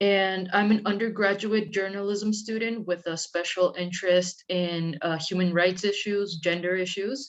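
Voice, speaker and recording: Medium-pitched female speech at a moderate pace, fairly even in intonation with hardly any pauses, music playing in the background. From Peru (Lima). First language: Spanish. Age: 20s. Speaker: journalism student, panelist. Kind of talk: panel discussion introduction.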